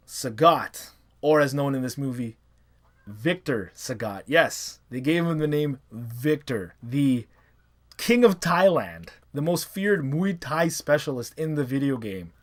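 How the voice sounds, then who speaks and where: A man hosting a casual movie review vlog, talking enthusiastically and rambling a little. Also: mid-range voice. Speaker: host.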